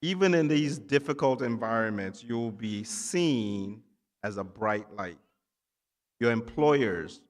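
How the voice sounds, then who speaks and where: A man who grew up in Nigeria addresses students from the stage in a mid-pitched voice. He encourages them with emphatic phrases broken by short pauses. The sound carries the long reverb of a large hall. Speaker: keynote speaker, physician assistant. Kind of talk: ceremony keynote speech to students. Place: large indoor hall at a ceremony.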